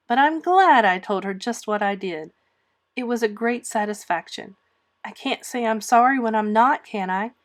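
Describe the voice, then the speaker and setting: A woman voicing a defiant, melodramatic eleven-year-old orphan girl in a storybook reading, pleading emphatically. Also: a little high.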